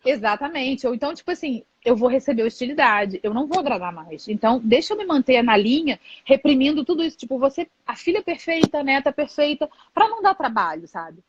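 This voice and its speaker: A woman's voice: high voice, big pitch swings, fast, hardly any pauses, husky. A woman, hosting a live stream and talking candidly as a mother, tucking "né" into her sentences. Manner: reflective, candid, many filler "né". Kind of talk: casual conversation on a live stream. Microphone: video call. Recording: dull, dry lo-fi live-stream audio.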